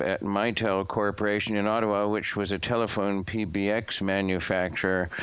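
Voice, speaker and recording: An ordinary speaking voice with a Canadian accent. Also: man. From Ontario, Canada. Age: 60s. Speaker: blind access technology specialist. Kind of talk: interview.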